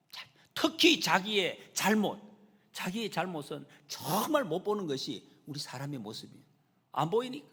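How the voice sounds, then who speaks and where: A man preaching in a church, his pitch rising and falling in a lively sweep as he builds his points. His voice carries a slightly husky edge, and a long reverb from the hall trails each phrase. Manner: animated preaching, acts out a quoted figure's shouts. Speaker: pastor. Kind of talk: sermon. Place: church sanctuary.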